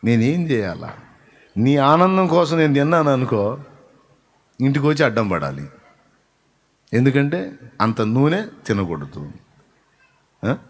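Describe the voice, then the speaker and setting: Male Telugu pastor, sermon, mid-pitched voice, soft asides rising to loud exhortation. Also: very animated, measured pace, pauses often.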